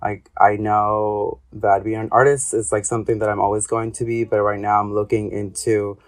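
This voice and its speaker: A man's voice: on the low side, level tone, normal speed. A young adult man from Ecuador, an interview guest talking casually with hesitant, rambling speech and many fillers. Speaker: guest, artist and graduate student.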